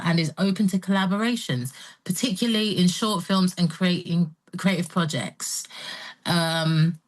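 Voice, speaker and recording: A woman co-hosting a music livestream, chatty and teasing. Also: fairly low pitch. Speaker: co-host of a music review livestream. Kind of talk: casual chat.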